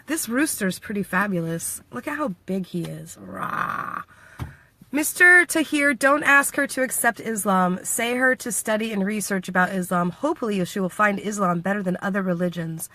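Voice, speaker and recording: A woman's voice: medium pitch, normal speed, no echo. Playful, chatty woman vlogger. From United States. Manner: chatty and playful, laughs often, quotes others in lively voices. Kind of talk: casual vlog chat. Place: Washington State.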